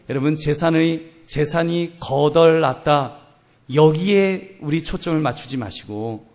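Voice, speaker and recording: A man preaching a sermon at a middle pitch for a man. He talks with emphasis, putting rhetorical questions to the congregation and telling stories in between. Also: darkish tone. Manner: storytelling with voiced quotes. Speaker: pastor.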